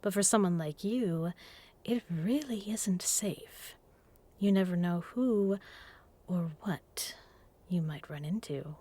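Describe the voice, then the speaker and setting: Slow, whispery seductive vampire woman, acted out by a woman. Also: lowish voice, warm tone. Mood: mocking, teasing. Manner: teasing, purring, deliberate, often dropping to a whisper. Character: seductive, menacing female vampire predator toying with prey. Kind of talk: intimate hypnotic audio roleplay, slow and breathy.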